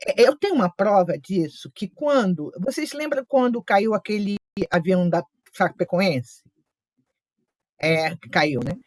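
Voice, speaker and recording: A woman's voice: mid-range voice, expressive, measured pace, darkish tone, dry recording. A woman leading a study group, teaching in a chatty, story-filled way with asides and quoted remarks. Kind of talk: casual teaching talk.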